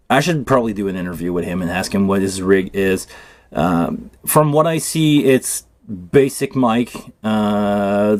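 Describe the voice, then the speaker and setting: A darkish, lowish male voice with no echo belongs to a Quebec French livestreamer whose mother tongue is French. While assembling a cable, he chats casually about tech, loosely rambling and thinking aloud.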